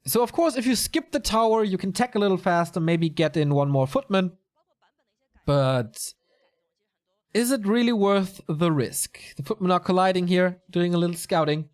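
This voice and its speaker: A man's voice: high-pitched, normal speed. A man giving casual solo commentary on a live strategy game tournament, chatty and answering viewer chat as he goes. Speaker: esports commentator.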